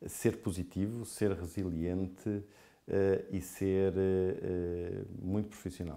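In a very deep, low voice with a dark, mellow tone, a man talks at a very slow pace with monotone, flat intonation. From Portugal (moved from Angola at 9). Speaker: nonprofit leader and consultant; interviewee. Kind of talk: interview testimony. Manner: halting, many fillers. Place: office. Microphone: lapel.

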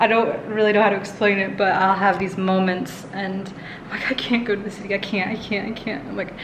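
A woman's fairly quick, monotone, flat delivery over noticeable background noise. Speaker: travel vlogger. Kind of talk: casual vlog chat. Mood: reflective, a bit emotional. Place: home room. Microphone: phone near.

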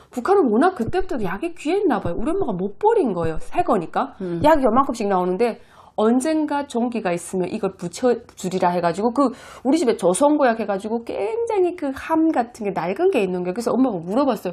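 A woman speaks at a fairly quick pace with a fairly high pitch. Her dark, mellow tone moves through very wide pitch swings. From North Korea. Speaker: YouTuber, North Korean defector. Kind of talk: casual chat.

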